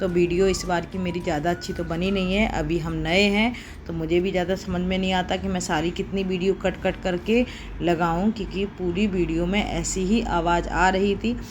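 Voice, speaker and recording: A woman's fairly low, monotone voice with flat intonation, amid noticeable background noise. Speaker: vlogger. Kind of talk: casual vlog narration. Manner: slow. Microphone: badly set mic, crackling.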